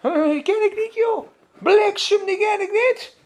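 A man's voice: very high-pitched, takes it slowly, pitched above the performer's own voice. A man voicing a frightened man who swears he does not know someone, in a panicked, pleading tone. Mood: panicked denial.

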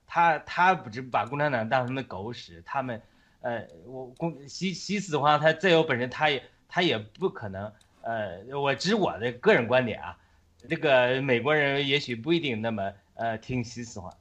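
A man casually retelling a Bible story on a Christian chat, halting often with fillers and restarts. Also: medium pitch, fairly bright tone. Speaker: Christian speaker on a faith chat.

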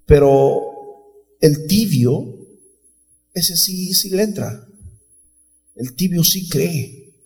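Gravelly high-voiced preacher. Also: male voice, animated, very slow, pauses often, a little mellow. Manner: conversational, calls listeners brother. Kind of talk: informal sermon. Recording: echoey hall, faint music behind.

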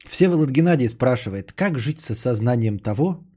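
A young man hosting a podcast, reading out donations and chatting casually, sarcastic and rambling, often trailing off into low mutters. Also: animated, a little fast, mellow, slightly rough. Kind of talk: casual stream chat.

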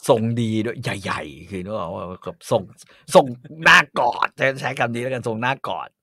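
A man chatting casually, telling stories in a relaxed way with frequent swearing. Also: mid-range voice, normal speed, no echo, studio quality. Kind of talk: casual chat.

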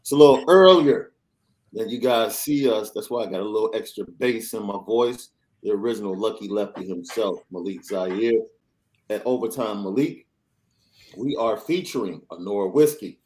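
A young adult man hosting a casual sports podcast, reading through news in an energetic, chatty way. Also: fairly low pitch, normal speed. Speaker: podcast host.

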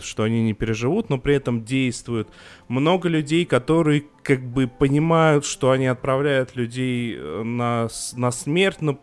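A young man co-hosting a podcast about TV series, talking casually and emotionally, with frequent restarts and filler sounds. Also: mid-range voice. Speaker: podcast co-host reviewing TV series.

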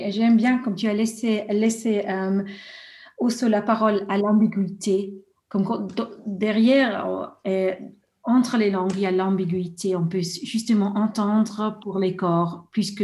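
A woman researcher responding in a discussion at a listening session, speaking in halting phrases with pauses and restarts. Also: medium pitch, warm tone.

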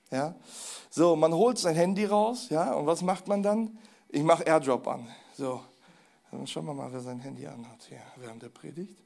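High, gravelly-voiced male pastor preaching. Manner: lively preaching with vivid everyday comparisons. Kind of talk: sermon. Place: church service.

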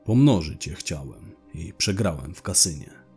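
A man's voice: sits low, expressive, a little mellow, slightly rough, soft background music, exaggerated voice. A man voicing a timid, mumbling debtor. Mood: frightened. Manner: slow, reluctant mumbling. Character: frightened male gambler in debt, timid.

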